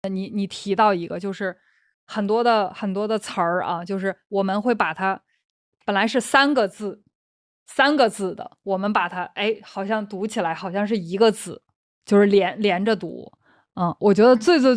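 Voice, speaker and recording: A woman's voice: mid-range voice, no echo. Young beijing woman teaching chinese, laughs a lot, dry voice no room. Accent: Beijing Mandarin. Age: young adult. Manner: chatty, breaks into laughter, restarts phrases. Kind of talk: casual explanatory chat for learners.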